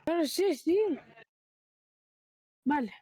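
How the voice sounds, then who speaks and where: A woman's voice: high-pitched, animated, slow pace. A woman chatting casually while gaming, in short, exclamatory reactions. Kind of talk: casual excited gaming chat. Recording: faint background noise with clicks.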